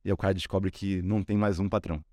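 Carioca man, podcast guest, brisk chatty storyteller, lowish voice, dry close sound. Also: flat delivery, a little mellow, no room sound. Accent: Carioca Brazilian Portuguese. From Rio de Janeiro, Brazil. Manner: chatty storyteller, frequent tag questions. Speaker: guest, sales executive. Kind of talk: casual podcast interview.

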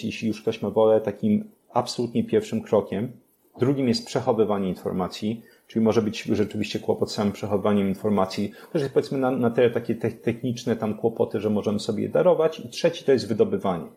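A young man, a podcast guest, explaining learning methods step by step, pausing on fillers and restarting his phrases. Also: lowish voice, warm tone, slight background noise.

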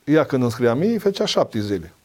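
A middle-aged man speaking at an ordinary pitch, telling his life story as a podcast guest. He is earnest and emotional. He brings old exchanges back to life by voicing the dialogue. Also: very animated, dark tone. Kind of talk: personal testimony in casual conversation.

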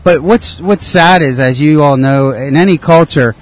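A middle-aged man whose first language is Italian, telling his story earnestly with many pauses in a casual chat. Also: fairly high pitch. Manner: earnest, halting storytelling with fillers. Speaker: guest, police officer and sauce maker.

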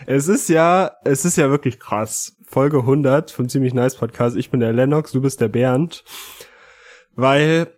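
A man hosting a podcast in casual comedic chat, with deliberate, drawn-out emphasis. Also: medium pitch, a little mellow. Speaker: podcast host.

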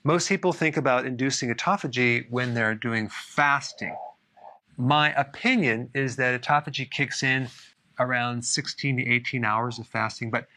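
Bright-voiced man explaining health topics. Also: mid-range voice. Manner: casual, explanatory, dry sarcastic asides. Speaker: health podcast host. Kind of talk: solo explainer talk.

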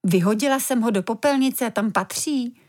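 A woman voicing a brisk, scolding mother in a children's storybook reading. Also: on the high side, a little mellow, natural voice.

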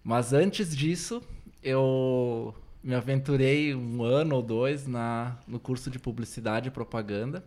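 Friendly podcast host. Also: male voice, mid-range voice, unhurried, a little mellow. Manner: friendly, rambling, lots of fillers. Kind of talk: casual podcast chat.

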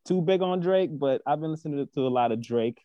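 A man from Senegal, a guest on a chat show, talking casually and haltingly, repeating his words and leaning on fillers. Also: a little high, expressive, no echo, lo-fi sound. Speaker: guest artist.

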